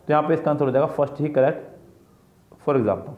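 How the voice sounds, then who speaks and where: A man's voice: fairly high pitch, brisk. A man teaching an exam-prep grammar lesson, explaining each answer step by step and repeating his own questions and answers. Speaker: English teacher. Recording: roomy, dull lo-fi sound.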